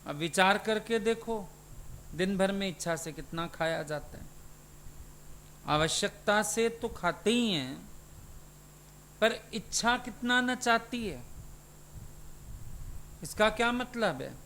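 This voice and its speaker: A man's voice: high-pitched, animated, slow pace, long pauses, fairly bright tone, a little hiss or hum. A man, a spiritual teacher, giving a satsang sermon and putting questions to his listeners.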